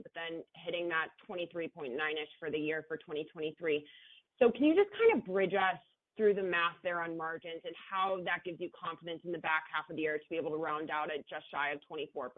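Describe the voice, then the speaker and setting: A woman, a financial analyst, asking polite, structured questions on an earnings call. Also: lowish voice. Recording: tinny phone line.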